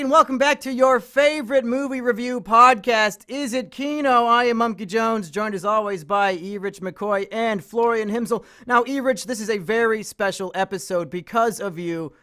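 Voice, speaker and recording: A man's voice: high-pitched, moderate pace, few pauses, sharp tone. A man hosting a casual podcast, cracking crude teasing jokes and laughing often. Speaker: podcast host.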